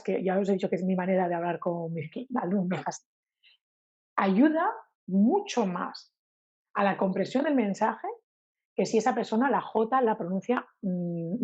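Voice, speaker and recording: A woman's voice: medium pitch, a little mellow, breathy edge, highs cut off. A woman from Spain, a Spanish teacher being interviewed, who talks animatedly and acts out her examples with a sing-song voice. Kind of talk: casual interview talk.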